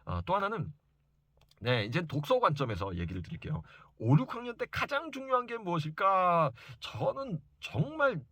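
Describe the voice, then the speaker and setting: A man's voice: high voice, big pitch swings, normal speed, fairly bright tone, no room sound, studio quality. A man giving an informal educational talk to parents as a study coach, speaking emphatically and insistently and repeating key points for stress. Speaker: private reading and study coach advising parents.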